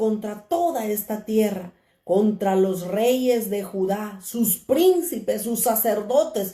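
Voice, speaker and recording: A woman with a fairly high pitch speaks at a very slow pace in a passionate tone. Her voice is somewhat breathy, with a dark, mellow tone. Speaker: preacher. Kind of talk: sermon.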